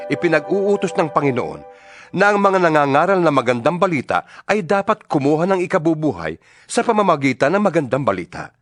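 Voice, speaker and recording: In a studio Tagalog Bible dramatization set to clear instrumental music, a Filipino-accented man with a highish, slightly bright voice plays the apostle Paul writing to his church. He delivers the lines earnestly and oratorically, pressing emphatic rhetorical questions.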